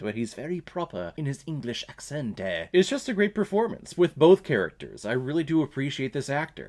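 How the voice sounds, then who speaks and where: A young man talks straight to his viewers about a film he just watched. His voice sits in a middle register, and his take is blunt and sarcastic. He curses now and then and talks like he is chatting with friends. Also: medium pitch. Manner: blunt and sarcastic, laughs and swears at characters. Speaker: movie review channel host. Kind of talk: casual movie review monologue.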